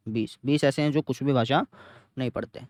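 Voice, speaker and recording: Speaking a little fast in a mid-range, slightly mellow voice with fairly even intonation, a young man from Hindi-speaking north India walks through a math lesson. He repeats every step and answers his own questions. The audio is clean studio sound with no room reverb.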